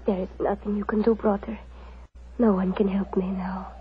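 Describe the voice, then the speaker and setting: An actress playing a dying gypsy fortune-teller, speaking faintly and solemnly in a 1940s radio drama style. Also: female voice, medium pitch, level tone, husky. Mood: weak, resigned. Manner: solemn, halting, formal phrasing. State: faint, dying, occasional coughing. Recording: dull old radio recording with faint noise.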